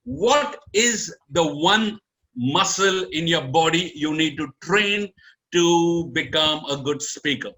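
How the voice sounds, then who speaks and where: Talking slowly and straight to his audience, a man teaches a live online public speaking lesson. He is animated and coaxing, swinging his pitch up and down for emphasis.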